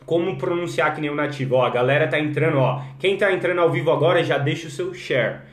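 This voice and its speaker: An upbeat young man runs a live-streamed English lesson, jumping between English and Portuguese and calling out viewers by name. His voice sits a little high for a man, and it bounces around a room with plenty of echo. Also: fast talker. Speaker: English teacher.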